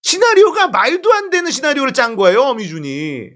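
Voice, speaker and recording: Man, political commentary host, scornful and heated, rhetorical questions, animated pitch. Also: fairly quick.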